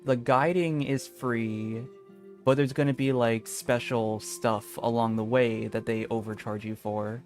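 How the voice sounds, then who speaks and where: A man's voice: medium pitch, fairly even intonation, measured pace. A man doing casual gameplay commentary as a streamer, rambling and thinking aloud, with game music behind him.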